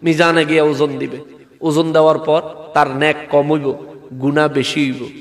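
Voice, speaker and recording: A man with a regional Bangladeshi Bengali accent preaching a lively sermon and calling on the crowd to respond out loud. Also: fairly high pitch, moderate pace, big-room sound. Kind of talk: animated sermon with dramatized quotes.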